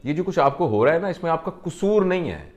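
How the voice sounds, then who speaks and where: A man, a doctor, calmly counseling a patient and explaining with simple everyday examples. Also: fairly high pitch, lo-fi sound.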